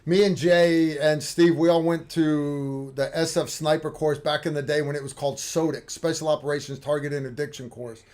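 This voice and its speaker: A man hosting a casual livestream, talking in a relaxed, unhurried way with frequent fillers. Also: a little high. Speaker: livestream host.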